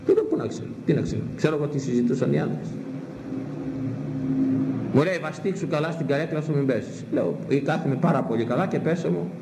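Older greek priest, fiery sermon, higher voice, echoey church hall with faint room hum. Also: male voice, vocal fry. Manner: impassioned preaching with sharp swings of pitch and repetition. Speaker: Orthodox priest.

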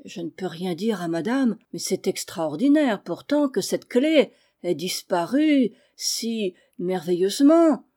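A woman reading aloud, voicing a good-hearted, quick-witted maidservant. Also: medium pitch, expressive, dark tone, natural voice. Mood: sly. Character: kindly clever maidservant.

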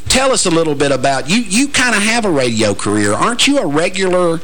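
A man, hosting a radio interview in a teasing, joking way with halting restarts. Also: high-pitched, sing-song, fairly bright tone. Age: 40s. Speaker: radio show host. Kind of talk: casual interview chat.

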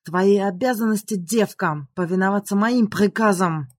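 A man doing a shrill commanding noblewoman. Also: moderate pace, dry recording, studio quality. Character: frightened commanding aristocratic woman.

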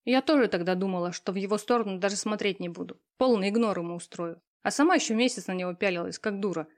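A woman voicing a pushy, talkative young female friend who teases and lectures loudly. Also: medium pitch, fast talker, lightly acted. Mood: bossy. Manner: loud, teasing, talkative.

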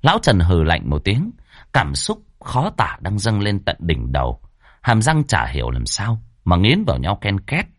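Brief: male storyteller, lowish voice swinging wildly in pitch, bone-dry close recording. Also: a little slow, no echo. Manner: expressive, rhythmic storytelling. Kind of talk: ghost story narration.

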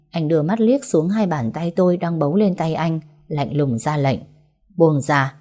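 A woman's voice: fairly low pitch, dark tone. A woman narrating a first-person audiobook story in a sorrowful, heartfelt way. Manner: sorrowful, heartfelt emotional reading.

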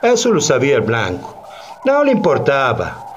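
An actor playing a weary, bitter Black slave on a sugar plantation, lamenting in broken rustic speech in a radio drama. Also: male voice, medium pitch, huge pitch swings, moderate pace, muffled recording, a little hiss or hum.

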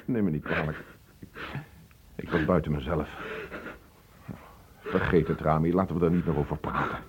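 A man acting a frustrated divorced father in a Dutch radio play, reproachful and emotional, halting when upset. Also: extremely low pitch, steady tone, background noise. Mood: remorseful, pleading. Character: frustrated divorced father pleading with his teenage son. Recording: dull, muffled old radio play recording.

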